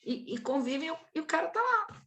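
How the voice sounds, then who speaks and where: A woman's voice: sits high, sing-song, fast, fairly bright tone. A woman telling a story in a casual group discussion, acting out the quoted dialogue. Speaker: study group participant.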